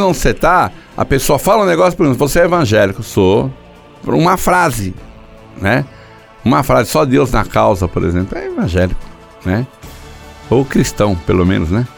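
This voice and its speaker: A man's voice: medium pitch, very animated, moderate pace, creaky, soft background music. An older man preaching a sermon, telling stories and acting out dialogues in different voices. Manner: storytelling, acts out dialogues in shifting voices. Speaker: pastor.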